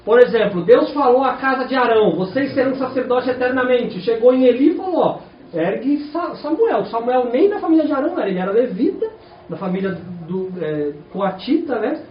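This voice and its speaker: A Brazilian preacher with a Brazilian Portuguese accent delivers an animated sermon in a church hall, asking rhetorical questions and answering them himself. His high voice swings widely in pitch at a slightly fast pace. The distant, echoey, dull recording has faint ambience and a little hiss or hum.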